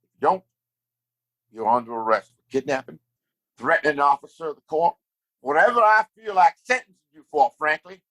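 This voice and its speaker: A man's voice: fairly high pitch, a little fast, pauses often, pushed and bright, poor audio. A man playing a blustering, indignant, corrupt small-town lawman in a Western audio play. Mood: officious. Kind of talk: Western audio drama acting.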